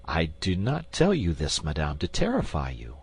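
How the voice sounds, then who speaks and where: A man's voice: deep voice, wildly swooping pitch, normal speed, breathy edge, full character voice. A man reading an audiobook, voicing a passionate, reckless nobleman with fervent delivery.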